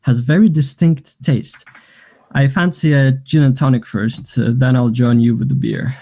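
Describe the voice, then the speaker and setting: A man's voice: medium pitch, fairly even intonation, a little slow, creaky, dark tone. A man acting a flirtatious, self-assured gay man in a naturalistic table read of a play, chatty and teasing. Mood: friendly, chatty.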